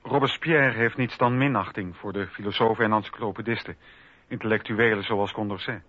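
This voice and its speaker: A man's voice: on the low side, fairly even intonation, brisk, no room sound. A man narrating a documentary radio drama from a script. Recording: dull lo-fi radio recording. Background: music.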